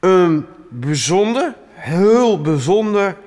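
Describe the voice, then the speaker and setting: An actor playing an earnest, loyal newspaper reporter who insists stubbornly in a radio comedy. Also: male voice, high-pitched, big pitch swings, slow pace, a little mellow, heavily acted. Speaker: journalist. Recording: long reverb.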